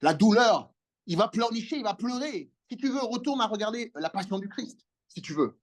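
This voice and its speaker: A fiery preacher whose pitch swoops up and down in lively, emphatic bursts. The sermon runs over a video call with call-and-response prompts for amens. The delivery is urgent and animated throughout. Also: moderate pace.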